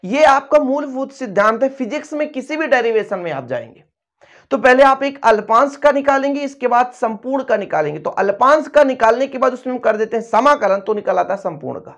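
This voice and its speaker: A man giving a board lesson in physics to school pupils, talking in a coaxing, repetitive way. He checks again and again that the class follows. At times he slows to dictate answers word by word. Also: very high voice, lively intonation, a bit bright. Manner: repetitive, coaxing, addresses pupils as dear children; slowly dictates notes word by word. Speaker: physics teacher. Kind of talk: Hindi-medium classroom lecture at a board.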